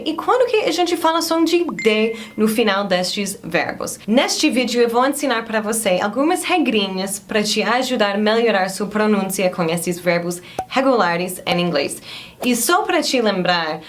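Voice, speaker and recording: Slow, high-voiced woman teaching pronunciation. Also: slight background noise. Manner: slow, carefully modeled English words. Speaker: English teacher. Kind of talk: pronunciation lesson.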